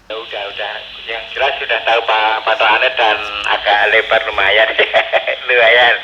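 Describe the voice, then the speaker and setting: A man's voice: fairly low pitch, level tone, normal speed, sharp tone, highs cut off. A man talking on a two-way radio, ending each turn in radio protocol. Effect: voice heard through a handheld two-way radio speaker. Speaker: amateur radio operator. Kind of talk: radio exchange using call signs. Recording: noisy two-way radio audio, heard from a distance.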